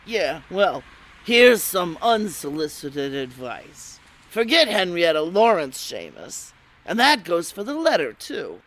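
A woman's voice: on the low side, sing-song, slow, fairly bright tone, full character voice. A woman playing a tough, threatening lady wrestler in an old-time radio noir parody, hard-boiled and brusque.

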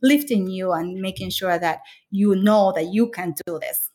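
A middle-aged woman from the Dominican Republic speaks in a relaxed interview at a mid pitch. Her delivery is earnest and halting, full of restarts and small fillers as she works toward each point. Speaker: author and interviewee. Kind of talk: conversational interview.

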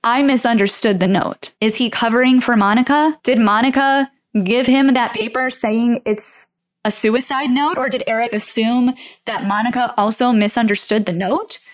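A woman's voice: a little high, fairly even intonation, moderate pace. Chatty woman telling a true crime story. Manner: conversational, speculating aloud. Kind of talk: casual true crime narration.

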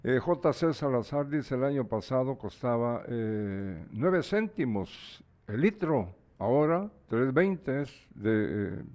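A man's voice: mid-range voice, animated, takes it slowly, hardly any pauses, darkish tone. A man born in El Salvador co-hosting a news show, reading viewer messages in a hesitant way with many fillers.

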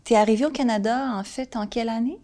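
A woman, interviewing a guest and gently prompting her with short questions. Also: fairly high pitch, steady tone, fast talker. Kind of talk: conversational interview.

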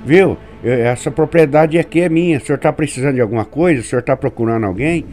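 A man's voice: medium pitch, quick pace, darkish tone, faint music behind, pitched above the performer's own voice, natural voice. A man voicing a blunt older rural landowner who keeps pressing with raised, urging questions.

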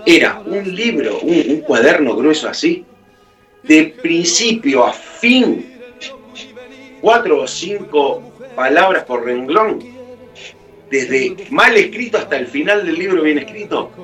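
A man's voice: on the high side, animated, slow, a bit bright, distant mic, faint music behind. A man with a Rioplatense Spanish accent, a guest musician in an interview, telling a heartfelt story and acting out the dialogue. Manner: heartfelt, acts out quoted dialogue.

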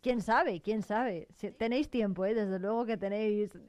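Female radio host, clear resonant voice, brisk and friendly. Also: mid-range voice, darkish tone. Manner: brisk, friendly prompting with short backchannels. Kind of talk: radio interview.

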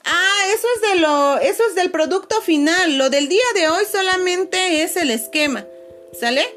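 A woman teacher, talking patiently to her pupils on a video call and filling pauses with "este". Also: very high voice, fairly bright tone. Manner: patient, many fillers, calls pupils "chicos" and "corazones". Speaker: schoolteacher. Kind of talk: online class video call.

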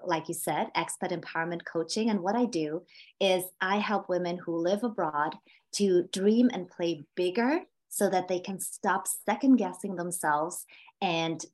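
A woman from Austria in her thirties speaks as a podcast guest. Her voice sits a little low, and she tells her story reflectively, with easy fillers. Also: measured pace, darkish tone. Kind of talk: podcast interview.

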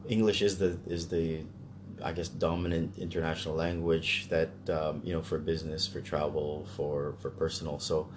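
A man's voice: rumbling low, level tone, normal speed, background noise. A Canadian man talking casually in a discussion, hesitant as he thinks aloud.

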